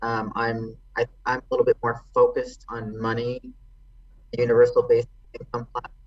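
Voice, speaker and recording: A woman's voice: rumbling low, monotone, fairly quick, dry recording. A woman speaks over a video call as her bad connection keeps chopping the audio in and out. The sound is dull and lo-fi from a laptop or phone mic, and she talks in an easygoing, apologetic way. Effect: internet call audio cutting in and out. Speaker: election challenger. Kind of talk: casual talk on a video call. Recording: lo-fi dropping internet call audio.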